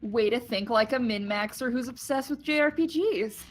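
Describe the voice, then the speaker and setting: A young woman with a high voice, hosting a casual game playthrough, joking and laughing as she plays. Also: normal speed. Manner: laughy, joking, self-deprecating. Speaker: let's play host. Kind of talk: casual gameplay commentary. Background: faint game music.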